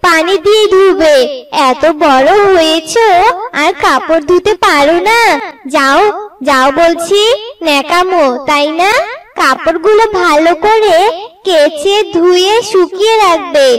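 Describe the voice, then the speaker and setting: A woman voicing a bossy, quick-tempered bride in a bird cartoon, with exaggerated delivery. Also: very high voice, crowd noise. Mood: angry, scolding. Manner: scolding, switching to coaxing.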